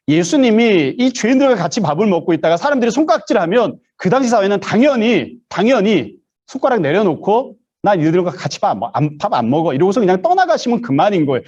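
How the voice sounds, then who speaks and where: Lively, high-voiced male preacher. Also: highs cut off. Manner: storytelling, acting out quoted voices. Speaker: pastor. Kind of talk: sermon.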